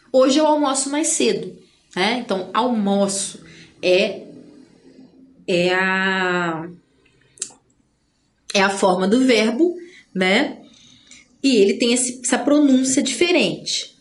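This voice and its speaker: Woman teacher with a Brazilian accent, a little high-pitched, chatty, stretches out example words. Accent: Brazilian Portuguese. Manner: chatty, tags phrases with "né?"; drawls out example words slowly. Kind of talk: online grammar lesson.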